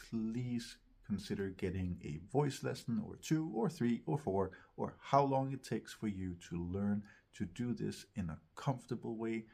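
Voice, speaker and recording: A man teaching vocal technique in an instructional video, explaining gently step by step and often checking in. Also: fairly low pitch, gravelly. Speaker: vocal coach, host of a tutorial series.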